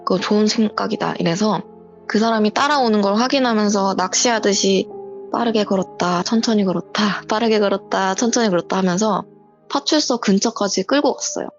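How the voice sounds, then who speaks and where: A woman's voice: mid-range voice, fairly quick. A woman calling in to tell her own true story in a vivid, breathless retelling. She acts out the lines that people said. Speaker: viewer sharing a true story by voice call. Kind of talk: casual call-in storytelling. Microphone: voice call. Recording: muffled voice call with faint music.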